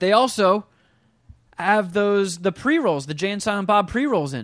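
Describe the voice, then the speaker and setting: A fairly slow pace paired with lively intonation. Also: man, quiet background. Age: 30s. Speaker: podcast host. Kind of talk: casual chat.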